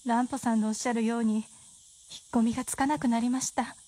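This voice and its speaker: 上品な言葉遣いで夫をからかう作家の妻を演じる女性俳優。ラジオドラマの芝居。. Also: female voice, a little high, fairly even intonation, fast, mellow, close to an everyday voice. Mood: wry. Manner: polite, teasing, genteel speech. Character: refined wry wife of a novelist. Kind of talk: radio drama acting.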